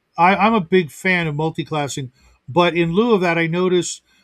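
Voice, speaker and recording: A man talks at a moderate pace in a plain, everyday voice with ordinary pitch variation. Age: 50s. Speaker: podcast host. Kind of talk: interview. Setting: studio.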